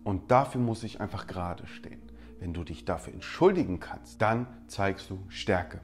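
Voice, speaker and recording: A man's voice: low voice, expressive, moderate pace, soft background music. A man presenting rhetoric tips in an instructional talk, speaking directly to his viewers and acting out example apologies.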